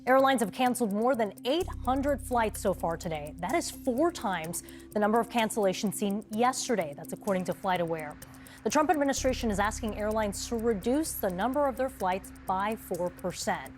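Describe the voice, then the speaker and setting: A woman's voice: medium pitch, animated, normal speed. Woman news anchor over faint music. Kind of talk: scripted news report.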